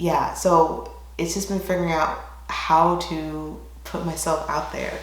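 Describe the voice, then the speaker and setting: A woman speaks in a space with audible room echo. Noticeable background noise is present. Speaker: therapist and spiritual coach. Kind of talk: casual vlog monologue. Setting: home video recording to camera. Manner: halting, backtracks, many ums and likes.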